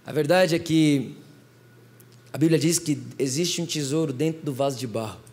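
A young man with a Brazilian Portuguese accent preaching a sermon, telling stories in an animated way and talking straight to the congregation. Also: on the high side, normal speed. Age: young adult.

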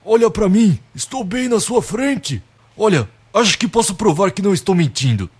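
Man acting a high-pitched, grumpy old Santa Claus. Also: very animated, moderate pace, darkish tone, slightly rough, exaggerated voice. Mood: earnest. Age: older. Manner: theatrical, blustering. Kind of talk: radio drama acting.

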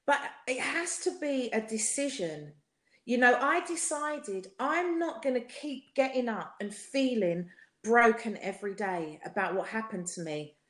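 Female podcast guest, South London accent, higher register, emphatic and repetitive for effect, very roomy sound. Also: lively intonation, a little slow. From South London, England. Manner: emphatic, rhetorical repetition, often seeks agreement. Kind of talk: personal testimony in a podcast conversation.

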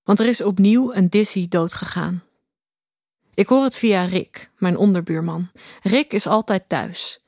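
An actress playing a detached, introspective woman who narrates her own story in a deadpan, reflective way for an audio drama. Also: medium pitch, measured pace, no echo. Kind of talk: scripted first-person audio drama narration. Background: music.

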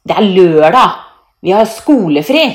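A woman voicing a stubborn little boy who protests in loud shouts, read from a children's storybook in an echoey room. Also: on the low side, big pitch swings. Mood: annoyed.

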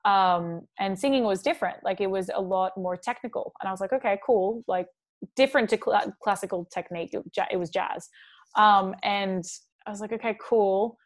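A young woman singer talks casually about her music in an interview. Her talk is loose and chatty, packed with "like" and "um", and she often acts out what she said to others. Her voice sits at an ordinary middle pitch. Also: normal speed. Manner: chatty, many "like" and "um" fillers, quotes herself.

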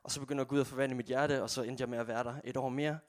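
A man's voice: medium pitch, steady tone. Earnest young man sharing faith. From Jutland, Denmark. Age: 20s. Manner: earnest, halting, with frequent pauses. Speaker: young church member giving testimony. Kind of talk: personal testimony and closing prayer. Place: church.

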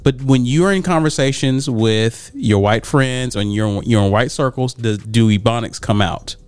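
A man's voice: medium pitch, normal speed, clear, resonant tone, no echo. A man with an African American accent co-hosting a casual debate, often questioning back and challenging. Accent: African American English. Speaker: podcast co-host.

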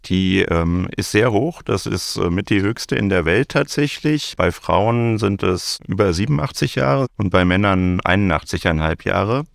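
A man on a podcast panel explains facts, hesitating with fillers now and then. His voice is very deep with a gravelly fry. The sound is dry and close. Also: animated, normal speed, few pauses, dry recording. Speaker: ministry country desk officer, panel guest.

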